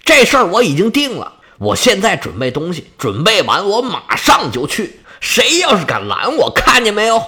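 A man voicing a stubborn old king, a grieving father who talks in a gruff, headstrong way. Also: high voice, wildly swooping pitch, normal speed, hardly any pauses, bright, forceful tone, exaggerated voice. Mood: defiant.

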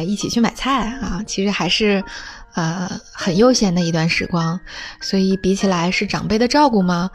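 A woman telling family anecdotes in a casual, humorous way, with many drawn-out filler particles between phrases. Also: fairly low pitch. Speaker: storyteller recounting family anecdotes. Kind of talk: casual spoken storytelling.

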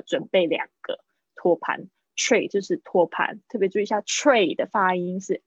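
Indoors and streaming over a video call, a woman teaches English pronunciation in a live online lesson, alternating quick explanations with slow, drawn-out model phrases and drilling words through repetition. Her voice is medium-pitched and slightly rough, with lo-fi, echo-free sound.

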